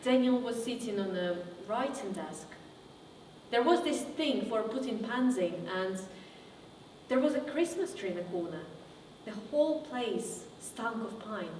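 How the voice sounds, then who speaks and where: A woman acting as a haunted woman delivers a dramatic stage monologue in a fairly high voice. She speaks deliberately, with halting pauses. The sound is distant and reverberant. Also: expressive, a little mellow. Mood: subdued, uneasy. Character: woman recounting childhood memories, wry then wounded and haunted. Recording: echoey reverberant room, distant mic, faint noise.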